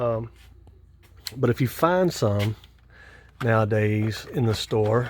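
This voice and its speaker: This man's voice sits at a medium pitch, and his pitch varies in an ordinary way. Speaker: hobby vlogger. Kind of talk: casual vlog walkthrough.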